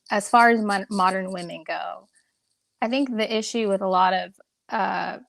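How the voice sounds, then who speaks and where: A woman's voice: medium pitch, creaky, fairly bright tone, no echo. Earnest woman making her point, dry sound. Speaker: caller. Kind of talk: casual live-audio chat.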